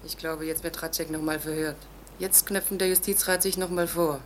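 An actress plays a curious village woman gossiping in a radio play. The voice is on the low side, inquisitive and colloquial, with faint background noise. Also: fairly even intonation, brisk, lightly acted. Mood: eager, gossiping. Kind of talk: German radio drama acting.

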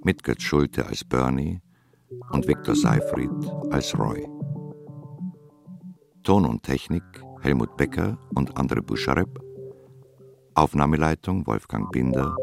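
Male announcer for drama credits: extremely deep, unhurried, formal, creaky, over music. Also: lively intonation. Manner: measured, formal. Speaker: radio announcer reading credits. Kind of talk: scripted radio credits announcement.

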